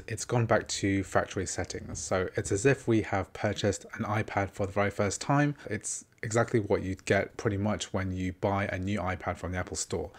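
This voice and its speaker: A man hosting a tech tutorial, calmly walking through each step on a tablet at a desk. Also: lowish voice. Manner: calm, methodical, narrating each tap. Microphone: small handheld gimbal camera.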